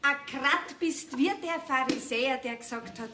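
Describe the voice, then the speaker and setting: A woman playing a sharp-tongued Bavarian farm wife. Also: high-pitched, moderate pace, background noise, natural voice. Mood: scolding. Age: middle-aged. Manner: scolding, dry retorts. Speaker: stage actor. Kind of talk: folk theater comedy acting. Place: theater stage. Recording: echoey stage recording.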